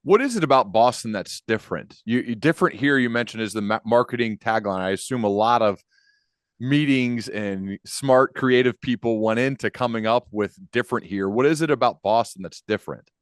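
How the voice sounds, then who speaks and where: A man's voice: medium pitch, brisk, no room sound, studio quality. A man hosting a podcast, asking long, curious questions in an informal conversational way. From Ohio, United States. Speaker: podcast host, interviewer. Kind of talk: conversational interviewing.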